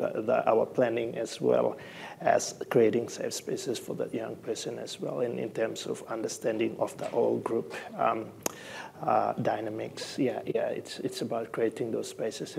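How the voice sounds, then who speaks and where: A young man speaks softly on a conference panel. His voice is gravelly and fairly flat, with a faint hum of the room behind him. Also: medium pitch, normal speed. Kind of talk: panel discussion answers. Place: conference stage with plants.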